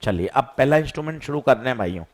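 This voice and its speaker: Lively physics teacher man. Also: mid-range voice, racing. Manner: lively, quizzing students and answering himself. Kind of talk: classroom lecture.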